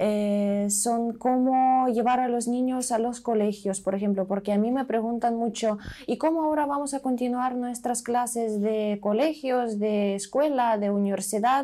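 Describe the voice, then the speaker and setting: A woman reads at a fairly slow pace with hardly any pauses, her fairly high voice dark and mellow in tone. Her intonation is fairly even, her loudness very even, and the background quiet. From eastern Ukraine, Donetsk; Ukraine. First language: Russian or Ukrainian (speaking Spanish). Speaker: refugee aid worker. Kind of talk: interview. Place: office.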